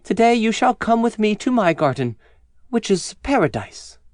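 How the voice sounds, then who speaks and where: A man voicing a serene, loving small boy in a fairy tale, speaking gently and with measured words. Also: high voice, sing-song, dry recording, clean studio sound, pitched above the performer's own voice. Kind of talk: storybook character voice in narrated fairy tale.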